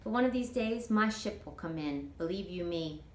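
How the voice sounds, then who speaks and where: A woman's voice: fairly low pitch, animated, moderate pace, darkish tone, close to an everyday voice. Storybook role: woman playing a folksy, motherly older lady with homespun, exclamatory talk, recorded in an echoey room. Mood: dreamy, breezy.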